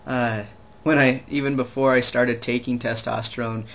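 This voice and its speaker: A young trans man talking casually in a video diary, rambling and halting with many restarts and fillers. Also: mid-range voice, flat delivery, a bit bright, muffled recording. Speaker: vlogger.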